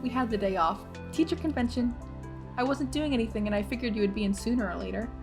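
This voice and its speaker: Opinionated schoolgirl , adult woman actor, talkative, earnest, lecturing, fairly high voice for podcast drama. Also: fast talker, over music, lightly acted. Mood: eager. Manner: emphatic, lecturing. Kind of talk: audio drama acting.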